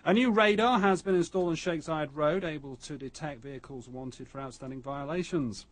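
A male newsreader delivers a scripted bulletin in a radio style. His voice sits a little higher than average, and the sound is very dry, with no room echo. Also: fairly quick. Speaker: news and sports reader.

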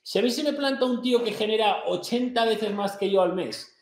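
A man's voice: high-pitched, fairly quick, slight background noise. Brash profane man ranting. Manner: brash, profane and confrontational, gesturing broadly. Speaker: fitness and business influencer. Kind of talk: motivational rant to camera. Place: small home office, indoors. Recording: echoey room.

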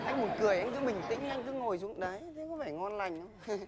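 A cheeky, evasive young patient. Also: male voice, high voice, lively intonation, fast talker, a loud crowd, heavy background noise. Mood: sheepish. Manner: cheeky, wheedling, mumbling when embarrassed. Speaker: actor in a stage comedy sketch.

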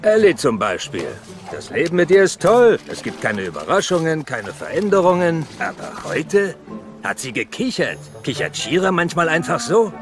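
A gruff, puzzled mammoth husband. His voice is a bit raised and swings widely between low grumbles and sudden yelps. Music plays clearly behind. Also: sing-song, normal speed. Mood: brooding. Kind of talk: German audio drama dub.

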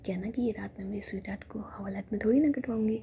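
A woman's voice: mid-range voice, fast talker, gravelly, warm tone, slight background noise, natural voice. A woman voicing a sweet-talking, protective young woman in a whispery, coaxing tone.

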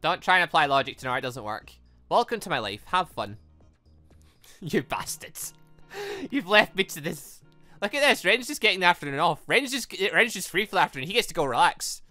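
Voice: mid-range voice, very animated, a little fast, pushed and bright, no room sound, faint music behind. A let's play host chatting and rambling over a visual novel, laughing often. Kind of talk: casual reading of a visual novel with commentary.

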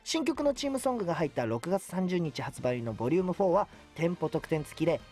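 An actor playing a young male troupe character, reading a scripted promo with a bright, lifted delivery. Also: a little high, sing-song, fast, soft background music. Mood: upbeat announcing.

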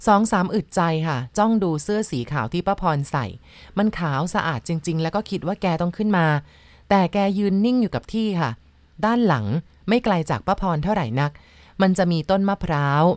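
A woman narrating ghost stories in a measured, dramatic storyteller's manner, addressing her listeners politely. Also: lowish voice, lively intonation, a little mellow, no room sound. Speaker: storyteller host.

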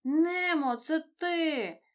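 A woman's voice: medium pitch, unhurried. A woman voicing a forgetful, kind female fish in a storybook reading, talking in a scatterbrained way. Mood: excited. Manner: scatterbrained, hesitant then lively.

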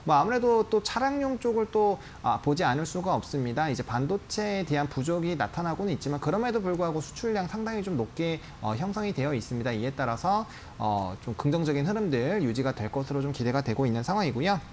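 A man's voice: fairly high pitch, sing-song, fast talker, hardly any pauses, darkish tone, a little hiss or hum. A man in his thirties giving live stock commentary as a TV analyst, explaining in polite formal speech. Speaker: stock market analyst on a TV show. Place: TV studio. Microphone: lapel mic.

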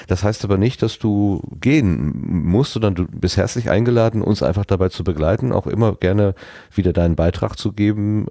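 A man's voice: deep voice, mellow, dry recording, studio quality. A man casually moderating a podcast conversation as its host.

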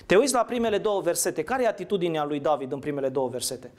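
A man preaching a sermon in a conversational way, asking his listeners questions and answering them himself. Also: a little high. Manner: asks the audience questions, conversational. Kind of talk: interactive sermon.

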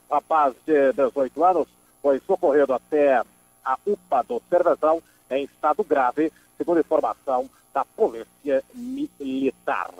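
A man's voice: fairly high pitch, gravelly, a little mellow, husky, no echo, poor audio. A man from inland São delivers a police news bulletin as a reporter, emphatically, repeating phrases for stress and adding conversational asides. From Brazil. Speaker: police-beat radio reporter. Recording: dry voice over background music. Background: background music.

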